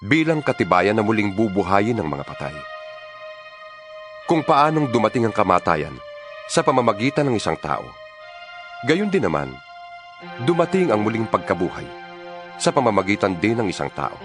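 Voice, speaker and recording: Male, Filipino accent, actor as fervent preaching apostle in audio scripture drama; widely swinging intonation, clear music bed. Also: lowish voice, wildly swooping pitch. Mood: insistent, reasoning. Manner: earnest, emphatic, preacherly, deliberate phrasing. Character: impassioned male apostle exhorting his fellow believers by letter.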